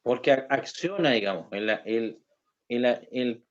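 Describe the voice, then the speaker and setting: A man, a Bible study participant who reads verses in a halting way and comments. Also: mid-range voice, animated, highs cut off. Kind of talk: reading scripture and discussing.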